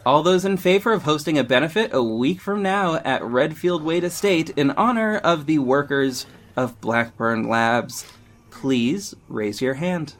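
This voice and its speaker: A man acting in an audio drama as a confident, sharp-tongued gay councilman with a pointed, theatrical manner. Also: a little high, lively intonation, measured pace. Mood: smug, commanding. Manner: theatrical, pointed, biting sarcasm.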